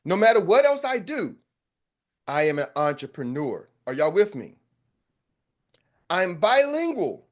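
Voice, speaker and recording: A man's voice: sits high, sing-song, a little slow, long pauses. An American man coaching a group call in a fiery, preacher-like motivational style, repeating lines for emphasis. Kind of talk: motivational pep talk.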